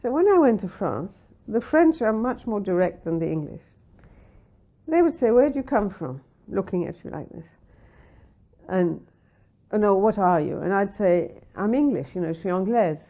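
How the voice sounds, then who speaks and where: A woman from Iraq telling stories in an interview, animated, acting out the voices of people she quotes. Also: mid-range voice, moderate pace. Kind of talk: interview recollection. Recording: tinny phone-like sound.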